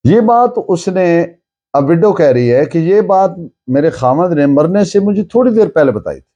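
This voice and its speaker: A Pakistani man teaches law in a higher-pitched, very animated voice. His tone is soft-edged and mellow, and he explains didactically, stressing and repeating key phrases with English legal terms mixed in. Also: unhurried. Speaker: law lecturer. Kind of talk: lecture, explaining and dictating case citations.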